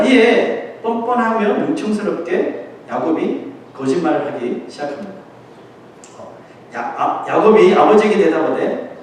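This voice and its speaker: A man preaching a sermon as pastor, telling the story in an animated way and acting out the voices of the people in it. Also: high-pitched. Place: church sanctuary. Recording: echoey church hall, distant mic, faint noise.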